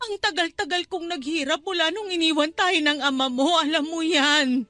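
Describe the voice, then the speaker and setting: A woman's voice: very high voice, moderate pace, bright, forceful tone, dry recording. An actress playing a weary, manipulative middle-aged mother in a Tagalog radio drama, pleading and laying on guilt. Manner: guilt-tripping, emotional. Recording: background music under dialogue.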